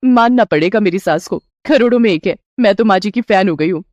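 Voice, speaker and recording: A woman voicing a curious, eager young daughter-in-law in a cartoon story, asking excited, wondering questions. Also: mid-range voice, fairly quick, no room sound, natural voice.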